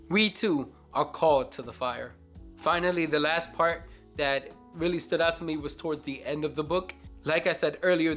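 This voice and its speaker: A man's voice: fairly high pitch, fairly bright tone. A man hosting a Christian book review vlog, talking in an earnest, reflective, almost preacherly way.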